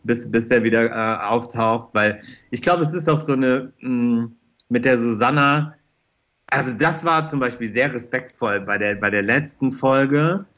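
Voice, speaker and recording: A man's voice: medium pitch, unhurried, a bit bright, lo-fi sound. A middle-aged man speaking as a guest in a casual podcast interview, chatty and often repeating his phrases. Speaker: interview guest, fashion designer.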